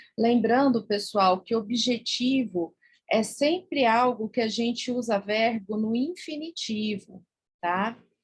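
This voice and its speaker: A woman with a Paraná accent at a fairly high pitch, speaking at a very slow pace, with ordinary pitch variation and very even loudness. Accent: Paraná accent (Brazilian Portuguese). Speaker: physiotherapy exam-prep teacher. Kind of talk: online lecture. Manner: conversational, with many fillers.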